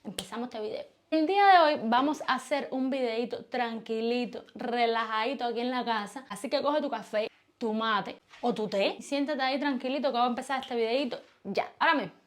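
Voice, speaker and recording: Playful Cuban woman, high voice. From Cuba. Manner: playful, fast, teasing, lively. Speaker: YouTuber. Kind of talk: casual vlog to camera. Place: at home.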